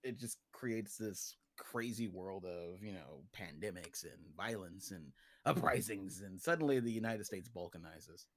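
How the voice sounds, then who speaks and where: A man's voice: sits low, lively intonation, unhurried, few pauses. A man in a casual livestream chat, explaining a fictional story world in an informal, joking way. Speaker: guest, creator of an original story universe.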